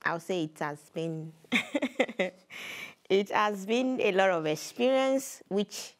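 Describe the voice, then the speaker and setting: A woman's voice: mid-range voice, animated, slow pace. A woman from Nigeria with a Nigerian English accent, a guest answering interview questions in a casual, hesitant way with easy laughter. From Nigeria, Edo State. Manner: hesitant, restarts often, laughs easily. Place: community TV studio.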